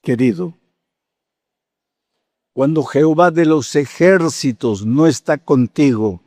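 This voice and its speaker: Man, 80s, pastor delivering a sermon; slightly high voice, dry close sound, animated storyteller turning to urgent exhortation. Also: slow pace, dry recording. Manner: storytelling preacher, acting out dialogue, rising to fervent exhortation.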